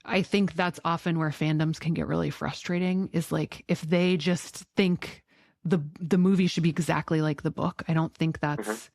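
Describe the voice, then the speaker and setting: A woman's voice: low-pitched, fairly even intonation, normal speed, a little mellow, dry recording, clean studio sound. A woman hosting a podcast in a casual, conversational interview style, peppering her talk with "like". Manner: conversational, frequent "like". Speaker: podcast host.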